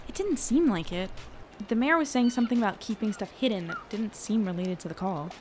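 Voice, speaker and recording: A woman's voice: mid-range voice, lively intonation, brisk, slight background noise, close to an everyday voice. A woman playing an uneasy, thoughtful investigator in an audio drama, speaking casually and naturally.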